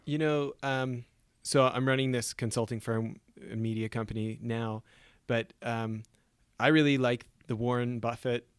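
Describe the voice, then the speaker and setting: A man's voice: medium pitch, fairly even intonation, measured pace, clear, resonant tone, no room sound, clean studio sound. A man hosting a podcast interview, asking questions casually with frequent fillers. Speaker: podcast host. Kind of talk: interview conversation.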